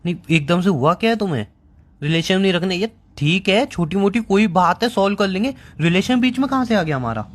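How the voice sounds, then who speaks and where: A man's voice: high-pitched, lively intonation, fairly quick. A man on a phone call with his girlfriend, defensive and exasperated, asking what went wrong. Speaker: boyfriend on a call. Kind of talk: heated phone argument.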